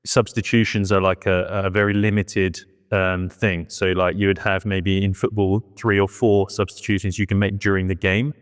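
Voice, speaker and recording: A man from England, co-hosting a podcast in relaxed chat, often repeating words as he gathers his thoughts. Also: low-pitched, normal speed, few pauses, big-room sound. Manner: easygoing, repeats words as he thinks. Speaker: podcast co-host. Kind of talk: casual chat.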